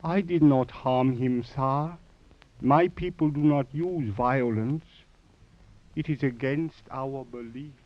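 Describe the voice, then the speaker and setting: Man playing slow, unruffled South Asian snake charmer. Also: medium pitch, close to an everyday voice. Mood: calm, innocent. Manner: formal, measured, unruffled. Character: calm, gentle-mannered, sly South Asian flute-playing snake charmer. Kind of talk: old-time radio drama acting. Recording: dull vintage radio recording.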